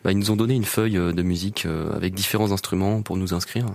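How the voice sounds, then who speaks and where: A man's voice: sits low, quick pace, gravelly, darkish tone, dry recording. A man with a French accent chatting casually as an interview guest, easygoing and self-deprecating. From France. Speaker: interview guest, brass musician. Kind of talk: casual chat.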